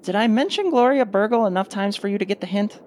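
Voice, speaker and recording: A woman playing a wry, grumpy but fond lesbian wife in a radio play, terse and deadpan. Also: medium pitch, quick pace, a little hiss or hum, lightly acted. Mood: wry, resigned.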